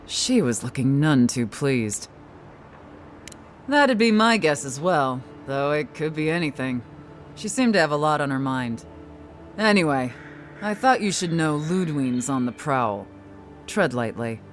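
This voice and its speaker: A higher-pitched, helpful game guard. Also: male voice, big pitch swings, unhurried, faint music behind. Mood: cautioning, helpful. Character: helpful, chatty male guard warning a respected envoy. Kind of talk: video game dialogue.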